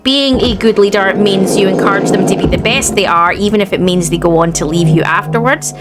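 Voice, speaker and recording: A Scottish woman hosting a let's play, gravelly and sniffly from illness, chatting and thinking aloud. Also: medium pitch, a little fast, over loud music. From Scotland. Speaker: gaming host.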